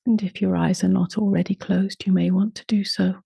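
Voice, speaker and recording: A woman leading a guided meditation in a soft, unhurried voice that often drops to a half-whisper. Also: mid-range voice, level tone, vocal fry, husky, dry recording. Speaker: meditation teacher.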